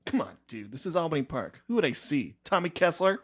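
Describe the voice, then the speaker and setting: A man's voice: a little high, very animated, fairly quick, husky. A man voicing an eager, slightly anxious young concertgoer in a hobby audio drama, earnest and keen to feel important. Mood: wry.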